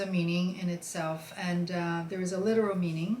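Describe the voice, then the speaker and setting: Audible room echo and noticeable background noise fill this recording. A woman with a Portuguese accent speaks at a moderate pace. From Brazil. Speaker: store owner. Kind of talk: interview.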